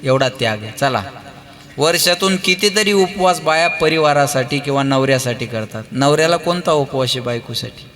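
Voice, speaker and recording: A man with a Marathi accent preaching a devotional kirtan sermon, telling lively family stories, acting out their voices and calling on the crowd to answer. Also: mid-range voice, moderate pace. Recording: long hall reverb with live music.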